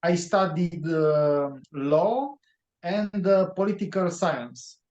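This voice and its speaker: A man with a Romanian accent speaks slowly and haltingly, stopping often on fillers as he works through his English. His voice sits a little high. The sound is dull and lo-fi, and it carries the echo of a roomy space. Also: a little mellow. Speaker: guest author. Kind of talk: interview answers.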